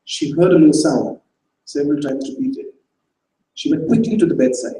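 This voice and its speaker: A man reads a short story aloud with expressive narration before a live audience. His voice is dark and mellow, slightly raised in pitch, and it sounds distant in a reverberant room. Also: normal speed, a little hiss or hum. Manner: expressive, with restarts. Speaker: reader. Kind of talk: dramatized story reading. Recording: roomy live hall, distant mic.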